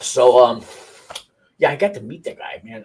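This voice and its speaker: A man speaks in an American accent at a medium pitch and a fairly quick pace. His intonation is lively. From San Francisco, US West Coast. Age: 60s. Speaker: prison channel host, former inmate. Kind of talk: live stream casual chat. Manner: halting, many fillers and restarts.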